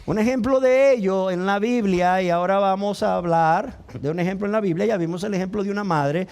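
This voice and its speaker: A man preaches from the pulpit in a high-pitched voice. He delivers his sermon with passion and urgency, often taking on the voices of the people in the story he tells. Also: a little fast, a little mellow, smooth. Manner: impassioned preaching, acting out voices of the crowd and the blind man. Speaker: pastor.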